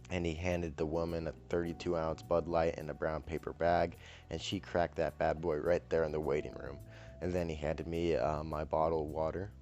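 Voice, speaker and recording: A man with an extremely deep, low voice tells his story in a flat monotone. His delivery stays deadpan throughout, and faint background music runs underneath.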